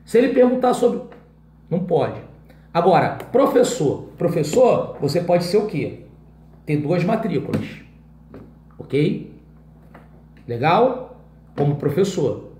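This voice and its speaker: A man's voice: high-pitched, very animated, takes it slowly, pauses often, dark tone, reverberant, a little hiss or hum. A man teaching an exam-prep class in Brazilian Portuguese in a casual way, often checking in with his students.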